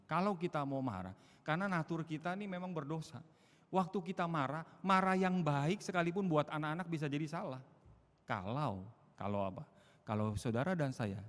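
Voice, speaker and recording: Man, pastor, sermon, slightly high voice, rhetorical questions, quiet-to-loud emphasis, long church-hall reverb. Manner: rhetorical questions, answered himself.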